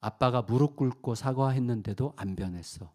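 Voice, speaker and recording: A middle-aged male pastor delivering a revival sermon at a middle pitch. He tells a personal story, dropping to a hushed, confessional tone and then rising to loud urgency. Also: moderate pace.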